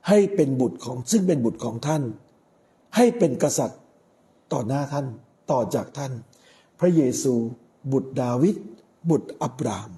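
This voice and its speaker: A middle-aged man, a Catholic priest, preaching a sermon in a measured way with frequent pauses. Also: on the high side, mellow.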